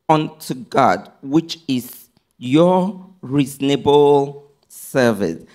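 A woman pastor delivers a sermon at an unhurried pace. She reads scripture in careful, measured phrases and repeats key lines for emphasis. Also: on the low side. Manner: preaching, reading scripture aloud in measured phrases.

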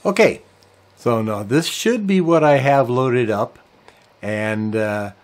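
A man in his sixties giving a measured, step-by-step software tutorial as the host of a hobby channel. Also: medium pitch, lively intonation, faint music behind. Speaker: host of a ham radio channel. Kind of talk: software tutorial and review talk to camera. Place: small indoor home radio workshop.

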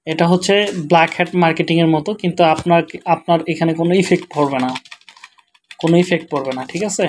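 A tired man with a Bangladeshi accent, speaking quietly and slowly as he walks through a screen-share tutorial. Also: on the high side, fairly even intonation, slight background noise. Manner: quiet, slow, tired-sounding talk. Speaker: web developer teaching SEO.

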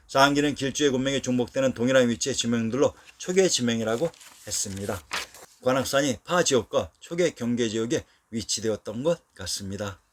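A man reading a scripted historical narration, listing place names in a steady, measured voice. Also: mid-range voice.

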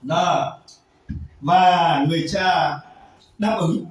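A man preaching a sermon as pastor, animated, swinging from quiet asides to loud emphatic cries. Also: fairly high pitch, very slow. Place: church hall. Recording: very echoey hall, voice from far off.

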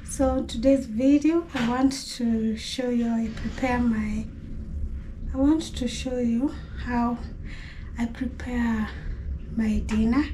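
A woman's voice: fairly high pitch, fairly even intonation, takes it slowly, dark tone, a little hiss or hum, low-quality recording. A middle-aged woman with a Kenyan accent, chatting casually to camera as she cooks in a small kitchen. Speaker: cooking vlogger. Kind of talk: casual vlog talk to camera. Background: rain and thunder outside.

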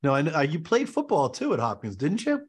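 A middle-aged man from Baltimore hosting a show over a video call, chatty and full of quick asides and restarts, speaking on a headset from a home office. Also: on the high side, wildly swooping pitch, breathy edge. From Baltimore, USA. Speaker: podcast host. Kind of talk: casual video call interview.

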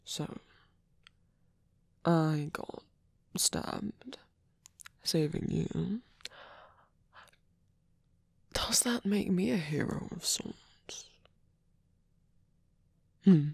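A man playing a tired, wounded villain softening toward a lover in an intimate ASMR roleplay, breathy and hesitant, often half-whispering close to the mic. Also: on the high side, lively intonation, no echo, full character voice. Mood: wry, guarded. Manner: hesitant, halting, with long pauses and sighs. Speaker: ASMR voice actor. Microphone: close microphone, dry.

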